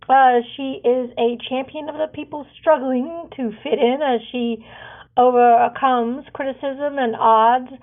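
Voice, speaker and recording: Higher-voiced woman storyteller, phone-like sound. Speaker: author and narrator reading own book. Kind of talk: expressive audiobook-style reading and presenting.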